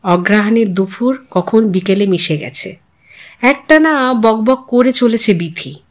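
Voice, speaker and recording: A woman reading a literary short story aloud as an expressive narrator and host. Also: medium pitch, measured pace.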